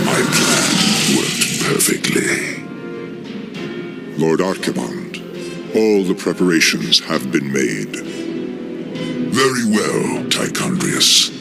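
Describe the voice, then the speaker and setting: An actor playing a colossal, cruel demon lord in a video game cutscene, booming and menacing. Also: male voice, exaggerated voice. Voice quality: deep gravelly booming voice. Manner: slow menacing proclamations. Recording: loud game score behind.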